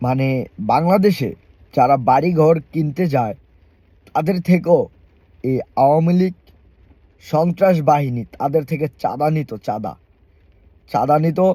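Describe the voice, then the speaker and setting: A man with a dark, mellow tone and a fairly high pitch. His pitch moves in an ordinary way. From Bangladesh, Narayanganj. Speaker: vlogger. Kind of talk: political monologue to camera. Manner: impassioned.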